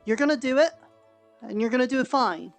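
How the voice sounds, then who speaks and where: A woman voicing a firm, encouraging adventurer in a voice roleplay, speaking briskly. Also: sits high, lively intonation, faint music behind. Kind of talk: voice roleplay in a social VR world.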